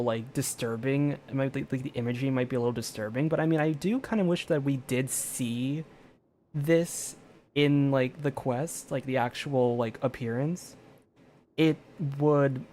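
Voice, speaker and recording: A man's voice: mid-range voice, darkish tone, slight background noise. A man giving casual, rambling, informal commentary as he streams a game.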